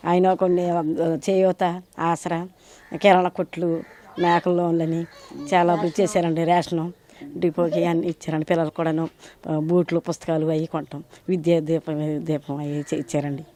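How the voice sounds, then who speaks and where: A woman's voice: lowish voice, little pitch movement, moderate pace, warm tone. A woman interviewed on the street, earnestly listing things one by one. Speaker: interviewed voter.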